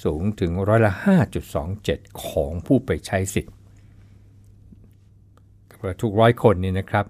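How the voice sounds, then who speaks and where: A man hosts an informational radio program in a low, grounded voice. He speaks in a measured, courteous manner and steadily reads out numbers and percentages. The delivery is scripted and even. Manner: measured, polite, reads out statistics. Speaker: radio host.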